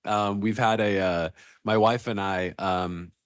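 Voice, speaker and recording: A man's voice: fairly low pitch, steady tone, unhurried, smooth, no echo. Male co-host trainer, congested and cracking, conversational, dry call audio. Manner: upbeat, conversational, frequent "you know" and "um". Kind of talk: casual online training session.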